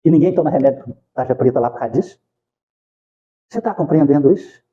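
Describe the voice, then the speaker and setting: A man's voice: mid-range voice, quick pace, phone-quality sound. A Brazilian man giving an informal spiritist talk, telling folksy stories, acting out dialogue and asking rhetorical questions. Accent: Brazilian Portuguese. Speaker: spiritist lecturer. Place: spiritist centre hall.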